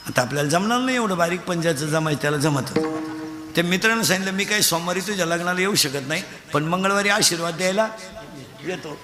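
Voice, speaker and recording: A man's voice: high voice, fast, over music. A man preaching a comic devotional kirtan, telling stories and mocking in acted voices. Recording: echoey hall sound.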